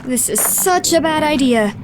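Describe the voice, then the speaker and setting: A woman's voice: sits high, lively intonation, moderate pace, noisy background. A woman playing a reluctant, sarcastic teenage girl on a sneaky adventure in an audio drama.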